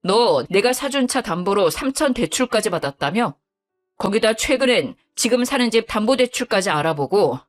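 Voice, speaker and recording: A woman's voice: mid-range voice, lively intonation, normal speed, voice pushed up, lightly acted. A woman voicing an angry young husband who coldly confronts his deceitful wife in an audio drama, with faint music behind. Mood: furious. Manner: cold, cutting and contemptuous.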